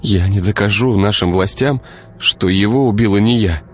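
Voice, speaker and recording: A man's voice: moderate pace, faint music behind, close to an everyday voice. A male narrator voicing a frightened, furious young woman who sobs and stammers. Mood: shaken. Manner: sobbing, stammering, shrill outbursts.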